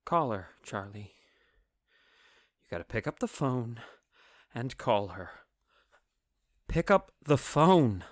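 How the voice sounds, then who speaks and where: Man acting an anxious, halting ordinary father. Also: medium pitch, big pitch swings, no echo, studio quality. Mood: urging himself. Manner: hesitant, halting, awkward. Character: anxious ordinary young father, former patient. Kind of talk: naturalistic audio drama acting.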